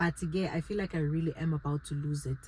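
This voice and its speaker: A woman speaks with a Zulu accent in a very deep, low pitch. Noticeable background noise can be heard. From South Africa. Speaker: vlogger. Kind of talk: casual vlog talk.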